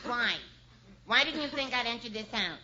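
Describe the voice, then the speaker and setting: A man's voice: very high-pitched, moderate pace, voice pushed up. A man playing a melodramatic lovesick young woman in a radio comedy sketch, sobbing and overwrought in hammy soap-opera style. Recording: muffled 1950s radio transcription with loud hiss.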